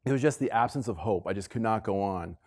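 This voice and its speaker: A man's voice: on the low side, fast, darkish tone. American man giving an emphatic keynote. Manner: emphatic, conversational, repeats phrases for effect. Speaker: keynote speaker. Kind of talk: motivational conference keynote, personal storytelling. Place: live talk on stage to a room of listeners. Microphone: stage microphone.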